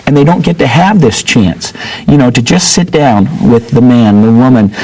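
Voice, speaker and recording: A man's voice: medium pitch, normal speed, darkish tone, slightly rough, low-quality recording. A man hosting an interview show, reading a scripted opening and then chatting with his guest. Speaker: host.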